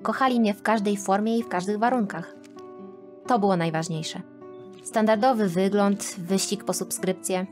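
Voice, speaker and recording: A woman reading a scripted first-person animated story aloud, with expressive, dramatic storytelling. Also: medium pitch, normal speed. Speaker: narrator. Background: faint background music.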